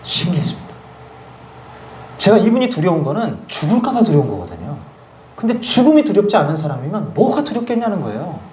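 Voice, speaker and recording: A man preaching a sermon as pastor, telling a personal testimony in a lively storytelling way and acting out his own prayers. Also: sits high, a little fast, echoey room. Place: church service.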